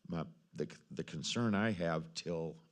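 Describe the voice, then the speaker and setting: A man speaking as mayor at a council meeting, halting and repeating words as he works through his point. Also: sits low. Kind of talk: formal meeting discussion.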